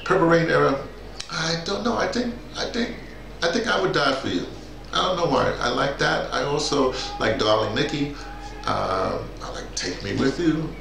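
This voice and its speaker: A middle-aged man chatting casually and unscripted, rambling and halting as he thinks aloud and shares personal memories and opinions. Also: a little high, expressive, vocal fry, a bit bright. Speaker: music commentator sharing personal memories. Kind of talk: casual spoken reminiscence, unscripted personal commentary. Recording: roomy echo, faint background noise.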